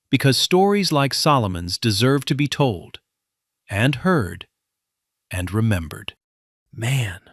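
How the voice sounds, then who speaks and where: A man's voice: mid-range voice, no echo, clean studio sound. Man narrating a story in dramatic phrases.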